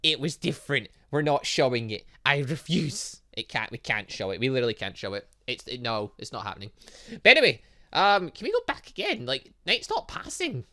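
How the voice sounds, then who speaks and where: Casting: male let's play host, bright and very animated, casual and playful. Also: mid-range voice, brisk. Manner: playful, excitable asides, stumbles and interjections. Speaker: gaming video host. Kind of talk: casual let's play commentary, reading game dialogue aloud.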